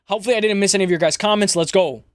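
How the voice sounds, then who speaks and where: A man with a high, slightly raspy voice hosts a casual fight-talk livestream. He speaks in slangy, chummy phrases that he often repeats as he chats with viewers. The sound is close and dry. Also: rapid-fire, dry recording. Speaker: host of a live MMA preview stream.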